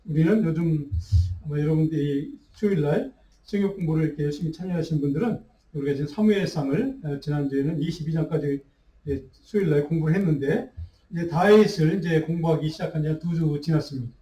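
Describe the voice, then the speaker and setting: Pastor, male, mellow tone, roomy church sound, mic at a distance. Unhurried sermon delivery. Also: a little high. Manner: unhurried preaching with restarts and fillers. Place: church sanctuary.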